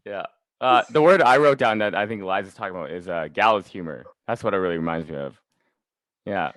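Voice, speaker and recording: A man's voice: sits low, brisk, a bit bright, no room sound. A man hosting a podcast in a casual, conversational style. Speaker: podcast host. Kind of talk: casual chat.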